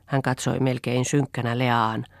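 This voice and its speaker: A woman narrating a novel as an audiobook in an expressive, measured way. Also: rumbling low, no echo, clean studio sound. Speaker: audiobook reader.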